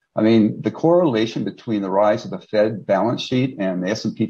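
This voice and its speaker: The man's voice has a dark, mellow tone and sounds somewhat breathy. He talks at a medium pitch and a moderate pace. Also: quiet background. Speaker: newsletter stock analyst. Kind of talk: interview.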